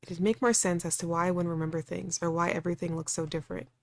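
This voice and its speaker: A wary, stubborn young visual novel protagonist, read by a woman in a slightly low voice. The narration is introspective and dry, telling the ordeal from the inside. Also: level tone, quick pace, slight background noise, close to an everyday voice. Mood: uneasy, pondering.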